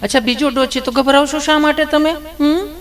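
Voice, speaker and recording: A man doing a high, fussy nurse lady. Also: steady tone, brisk, a bit bright. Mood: prodding. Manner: insistent, ends questions with a prodding "hmm?". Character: fussy female nurse asking questions.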